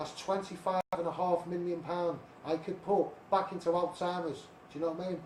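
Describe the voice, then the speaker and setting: Noticeable background noise surrounds a man with a Liverpool accent. He has a high pitch and a moderate pace. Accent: Scouse. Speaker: campaigner. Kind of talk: live stream talk to camera. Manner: agitated, ranting.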